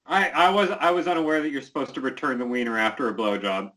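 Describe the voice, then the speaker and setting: A mid-pitched co-host chats casually over a text adventure game. The commentary is wry and amused, with plenty of "um" and "like" fillers. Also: quick pace, fairly bright tone, poor audio. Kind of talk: casual let's-play banter.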